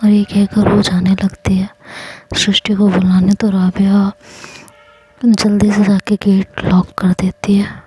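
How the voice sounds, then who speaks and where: A woman narrating a love story in a soft, whispered voice, as an audio storyteller. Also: mid-range voice, completely flat delivery, breathy edge, faint music behind. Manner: soft half-whisper, unhurried.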